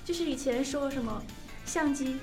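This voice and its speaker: A woman's voice: high voice, normal speed, a little mellow, soft background music. A young woman, a student, chatting casually on a podcast, rambling and giggly, often trailing off into jokes. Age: young adult. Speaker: podcast co-host. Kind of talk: casual chat.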